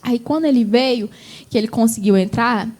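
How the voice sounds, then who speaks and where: A woman's voice: fairly high pitch, moderate pace, a little mellow. A young Brazilian woman, a gospel singer, telling an emotional personal testimony in a TV interview. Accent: Brazilian Portuguese. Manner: tells her story with feeling, fillers like "sabe?".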